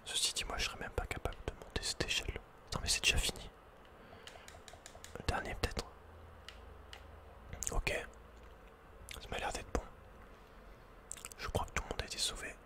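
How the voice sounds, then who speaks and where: A man's voice: moderate pace, long pauses. Whispering man, ASMR game commentary. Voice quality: soft, breathy, unvoiced whisper. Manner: casual, murmured running reactions with slangy asides. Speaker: ASMR gaming video host.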